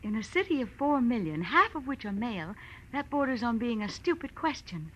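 An American woman playing a tough, defiant young femme fatale in a 1940s radio melodrama, sharp and emotional. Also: on the high side, very animated, fairly quick, a little hiss or hum. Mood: indignant. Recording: dull vintage radio recording.

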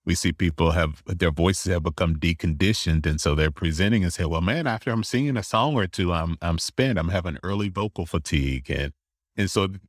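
A man who specializes in voice disorders, answering interview questions in a measured, explanatory way and now and then acting out what patients say. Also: sits low, no room sound, clean studio sound. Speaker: voice specialist clinician.

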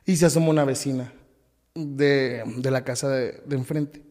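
A man with a Mexican Spanish accent, a podcast guest telling a painful personal story, halting, with frequent restarts and repetitions. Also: medium pitch, steady tone, darkish tone, long reverb tail.

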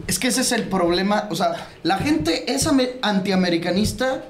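A young man with a Mexican Spanish accent banters and teases his friends on a sports podcast, laughing often and trailing off into low mumbles. His voice sits a little high. The sound is roomy and echoey, with a faint hum behind it. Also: lively intonation, moderate pace. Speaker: podcast co-host. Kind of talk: casual banter among friends. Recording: echoey room with faint ambience.

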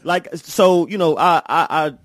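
A man's voice: a little high, unhurried, no room sound, studio quality. A man with an African American accent talking casually, outspoken and emphatic, with plenty of slang and swearing. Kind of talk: casual conversation.

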